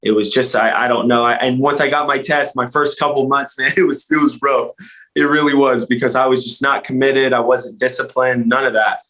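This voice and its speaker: An earnest young man speaks as a podcast guest, his voice sitting in a middle pitch. He rambles, restarts and leans on fillers as he talks. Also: steady tone, fairly quick, a bit bright. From Louisiana. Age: young adult. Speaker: guest, insurance agent. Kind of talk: casual podcast interview.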